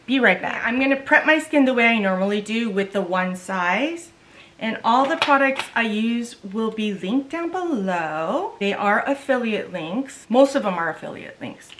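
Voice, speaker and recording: A woman's voice: on the high side, lively intonation, moderate pace, noisy background. A middle-aged woman whose first language is Korean, chatting through a makeup wear test and often hunting for words and starting over. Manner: chatty, loses words and restarts. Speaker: beauty vlogger. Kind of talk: casual makeup tutorial chat.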